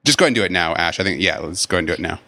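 A man's voice: low voice, animated, racing, sharp tone. A man hosting a podcast and moderating callers, talking loosely with frequent restarts. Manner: loose, stammering, restarts often. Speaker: podcast host. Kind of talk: live audio-room moderation.

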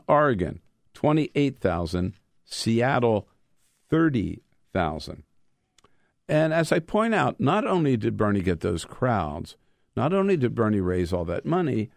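A man who is an author reading from his own book, mixing measured, emphatic delivery with informal storytelling. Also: medium pitch, gravelly, no echo, clean studio sound.

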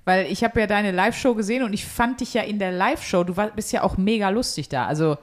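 A woman's voice: medium pitch, fast. A woman podcast host bantering casually, with a cheeky, teasing, colloquial way of talking.

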